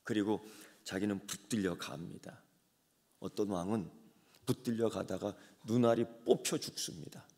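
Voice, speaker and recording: A man preaching a sermon as pastor, swinging from hushed tones to loud dramatic outbursts. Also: fairly low pitch, normal speed, gravelly. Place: church sanctuary. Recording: long church hall reverb.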